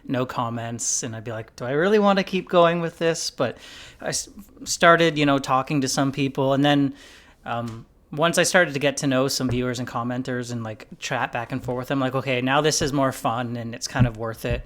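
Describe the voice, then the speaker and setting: A man's voice: mid-range voice, normal speed. Easygoing man chatting about investing. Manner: relaxed, rambling, lots of "like" and "you know". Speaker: investing YouTuber host. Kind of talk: casual podcast conversation.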